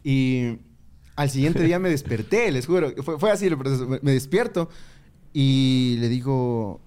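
A man's voice: medium pitch, a little slow, clean tone. A young man, a comedian telling a story in casual talk and acting out other people's lines. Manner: animated, acts out others in quoted voices. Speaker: comedian guest.

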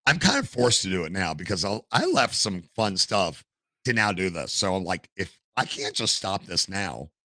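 An older American man, a retired firefighter, telling animated stories as a podcast guest over a video call. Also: low-pitched, moderate pace, no room sound. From United States. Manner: animated anecdotal storyteller. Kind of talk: casual storytelling interview. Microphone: headset.

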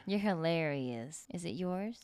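Woman, mid pitch, clear smooth voice, playful, teasing, home podcast. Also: expressive, a little slow, darkish tone, no room sound, clean studio sound. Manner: teasing, playful, swears casually. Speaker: podcast co-host. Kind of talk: casual banter with partner. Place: home room. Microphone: desk microphone.

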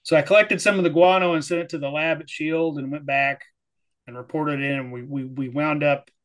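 Halting man recapping a tabletop game. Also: a little high, fairly even intonation, fairly bright tone. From Texas or Oklahoma area. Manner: hesitant, halting, with repeated words. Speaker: player.

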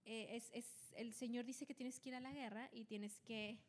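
A woman co-hosting a podcast, retelling a Bible story in casual chat with lively delivery and frequent restarts. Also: fairly high pitch, moderate pace. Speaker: podcast co-host.

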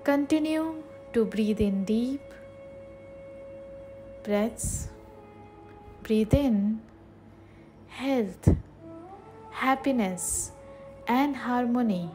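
Very slow, higher-pitched woman guiding meditation. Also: dark tone, faint music behind. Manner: soothing, measured delivery with long pauses between short phrases. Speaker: meditation guide. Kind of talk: guided meditation narration.

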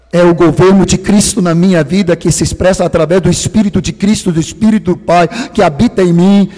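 An older man from Sweden preaches with a Swedish accent, his voice sitting fairly high for a man. He lingers over key words and lets some phrases sink into near-whispers. His voice rings with the long reverb of a large hall. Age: 60s. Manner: dramatic, drops to hushed near-whispers for emphasis; slow, drawn-out stress on key words. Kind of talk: sermon.

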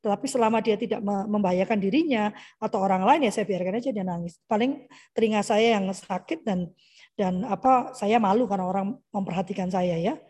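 A middle-aged woman giving a chatty parenting talk over a video call, lively and quick to mimic children's voices. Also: medium pitch. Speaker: parenting speaker. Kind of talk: conversational online parenting talk.

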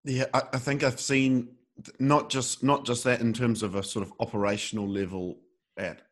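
A man's voice: mid-range voice, little pitch movement, moderate pace. A man interviewing in a casual, reflective way, tentative and hedging, with meandering sentences.

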